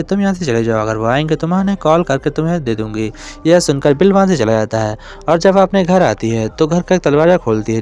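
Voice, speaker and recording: A man with a slightly raised pitch tells a movie's plot as a recap narrator. He keeps a plain storytelling delivery and piles on emphasis words. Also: darkish tone. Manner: plain storytelling, leaning hard on intensifiers.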